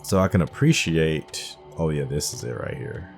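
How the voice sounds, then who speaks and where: A man's voice: a bass voice, expressive, moderate pace, vocal fry, a little mellow, faint music behind. A man hosting a video game playthrough with casual, rambling, musing commentary. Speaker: gaming host. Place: game commentary with game music behind.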